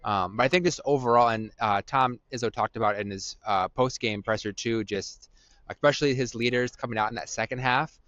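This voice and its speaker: Guy cohost doing measured game analysis, lots of ums, dry dull lo-fi audio. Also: medium pitch, a bit bright, dry recording. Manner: measured and analytical, with frequent "um" pauses. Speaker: podcast co-host. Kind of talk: sports analysis chat.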